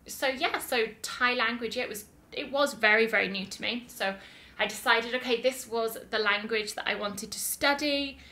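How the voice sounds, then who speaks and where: Bright-voiced British woman telling her story. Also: on the high side. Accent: British English. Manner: chatty, lots of "um" and "like", repeats words for emphasis. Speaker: language teacher and podcast host. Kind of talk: casual personal storytelling.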